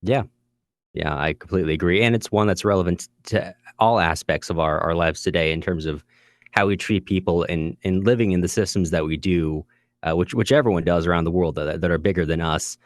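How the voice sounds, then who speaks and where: A man's voice: low-pitched, a little fast, dry recording, studio quality. A man co-hosting a podcast, casually discussing literature and hesitantly repeating words as he thinks. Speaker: podcast co-host.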